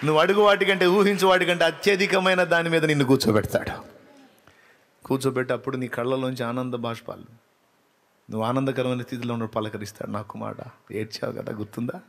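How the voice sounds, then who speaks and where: Man, preacher, sermon, passionate, loud appeals, soft prayerful asides. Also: medium pitch.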